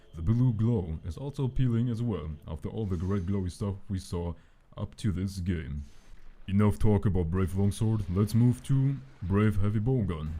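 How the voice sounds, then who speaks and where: The voice has a dark, mellow tone and a non-native accent. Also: man. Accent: non-native English pronunciation. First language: not English. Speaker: gaming video commentator. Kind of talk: gaming commentary voice-over.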